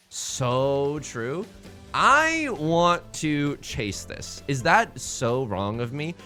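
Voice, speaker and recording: A man streaming live, chatting casually with viewers in an animated, jokey way, often restarting and repeating his words. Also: mid-range voice.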